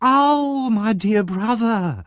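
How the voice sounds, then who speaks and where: A man's voice: high voice, expressive, extremely slow, dry recording, clean studio sound, pitched above the performer's own voice, heavily acted. A man voicing a theatrical young woman who wails and carries on. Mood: wailing. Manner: theatrical, wailing. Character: young woman, dramatic, wailing.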